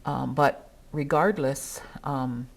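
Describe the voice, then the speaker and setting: An older woman whose first language is Dakota, speaking at a gathering in a measured, earnest way with pauses. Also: very deep voice, creaky, slightly rough. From South Dakota, USA. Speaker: treaty council member.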